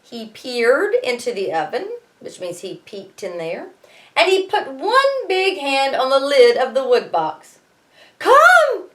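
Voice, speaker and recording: A woman's voice: high voice, very animated, measured pace. A woman, a teacher reading a story aloud expressively and adding wry explanatory asides. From United States. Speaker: schoolteacher reading aloud to students.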